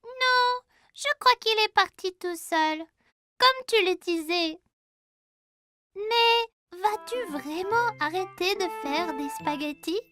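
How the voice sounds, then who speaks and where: A performer voicing a curious, earnest four-year-old boy in a children's cartoon, with expressive childlike delivery. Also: extremely high pitch, takes it slowly, no echo, full character voice. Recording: music behind.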